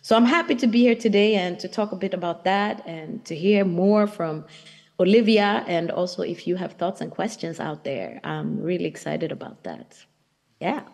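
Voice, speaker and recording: A woman, a hip hop dancer, talking on a video call in an unhurried, reflective way with many fillers. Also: on the low side, animated, vocal fry, a little mellow. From Sweden. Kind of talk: casual interview conversation. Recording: reverberant hall sound.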